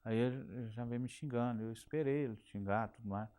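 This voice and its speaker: A man's voice: mid-range voice, fast, mellow. A middle-aged man with a Minas Gerais Brazilian accent, recalling his working life in an oral history interview, often repeating and restarting words. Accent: Brazilian Portuguese, Minas Gerais. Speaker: interviewee, telephone company technician.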